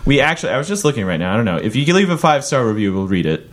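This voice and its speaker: A man's voice: medium pitch, big pitch swings, rapid-fire. A man co-hosting a podcast in casual comedic banter, sarcastic and profane, often laughing. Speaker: podcast co-host.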